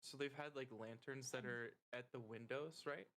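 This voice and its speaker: A man playing a tabletop game with friends, a loud talker in casual chat. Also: medium pitch, fairly even intonation, normal speed. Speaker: player in an online tabletop game.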